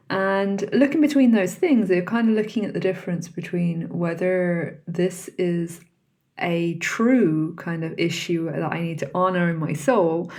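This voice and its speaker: A woman hosts a solo podcast, talking reflectively and conversationally and posing questions to the listener. Her voice is fairly low with a darkish tone.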